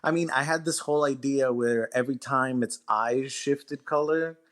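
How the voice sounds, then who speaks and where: A man with a medium-pitched voice talks as the guest writer in an interview. His delivery is informal and conversational, like explaining his own work in a chat. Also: moderate pace, fairly bright tone.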